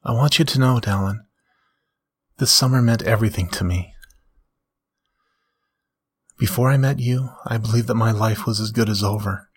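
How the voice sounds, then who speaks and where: A tender young catlike woman, as a man reads her, her voice pitched up from a low husky base. She speaks softly and earnestly. The reading is close and intimate. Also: moderate pace, pauses often. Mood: tender farewell. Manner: soft, earnest, heartfelt. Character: tender young female feline, loving and sad.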